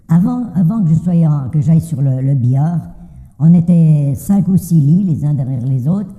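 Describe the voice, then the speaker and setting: An older man voicing an anonymous testimony, disguised by a deep pitch shift and telling his story in a plain, matter-of-fact way. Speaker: interviewee giving anonymous testimony. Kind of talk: interview answers. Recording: tinny phone-like sound with long reverb.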